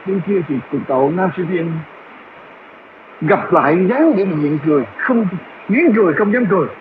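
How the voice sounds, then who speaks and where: High-voiced man over tinny, noisy shortwave radio. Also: animated, brisk. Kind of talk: radio talk with illustrative stories.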